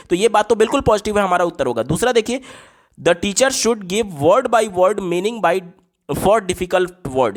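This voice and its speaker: A man, explaining exam questions as a test-prep teacher, reading English options slowly before explaining them. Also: high-pitched.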